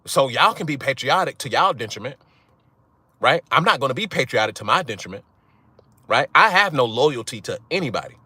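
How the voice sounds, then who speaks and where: A man's voice: medium pitch, very animated, fairly quick, bright, forceful tone, breathy edge, dry recording. A young man, talking straight to his viewers in a casual monologue. He is blunt and profane, and he keeps asking "right?" to drive his points home. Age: young adult. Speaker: channel host.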